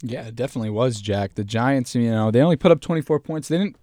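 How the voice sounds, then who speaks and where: A man's voice: medium pitch, fast talker, no room sound, studio quality. Laid-back young man talking sports. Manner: relaxed, laid-back, many fillers. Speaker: podcast co-host. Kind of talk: casual sports talk.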